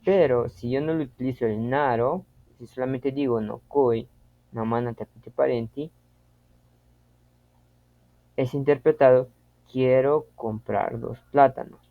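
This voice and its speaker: A man gives a language lesson at an unhurried pace. He repeats example phrases slowly and deliberately. His voice comes through a narrow, tinny, phone-like channel with a dry, close sound. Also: mid-range voice, fairly even intonation, no room sound. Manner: slow, patient explaining with example phrases spoken deliberately. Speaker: language teacher.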